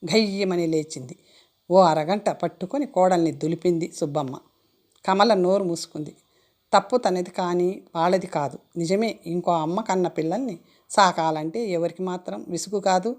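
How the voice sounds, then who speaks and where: A woman narrating an audiobook story in an expressive storytelling manner. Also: lowish voice, moderate pace.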